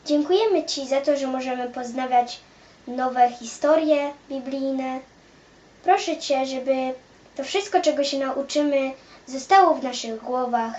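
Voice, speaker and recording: A woman leads a simple prayer. Her voice is high and she takes it slowly, phrase after phrase. The room around her is echoey. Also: a little mellow, muffled recording.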